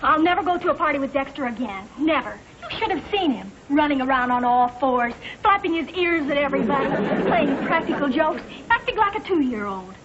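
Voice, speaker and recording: A woman's voice: high voice, expressive, a little fast, hardly any pauses, dull audio, crowd noise, noisy background. An actress playing a dramatic, sulky teenage girl in 1940s radio acting on an old broadcast. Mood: indignant. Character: upset teenage girl Corliss.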